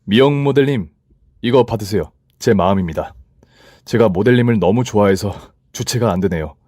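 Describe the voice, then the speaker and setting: A man voicing a boyfriend, a company boss, calm and a little hesitant. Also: fairly low pitch, a little fast, dry recording, studio quality, voice pushed down.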